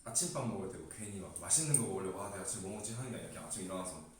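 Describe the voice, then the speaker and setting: Lively young man chatting in an echoey room. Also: sits low. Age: young adult. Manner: rambling storytelling, quick and lively. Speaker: idol group member hosting a livestream. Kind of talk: casual group chat on a livestream. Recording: roomy, distant mic, faint noise.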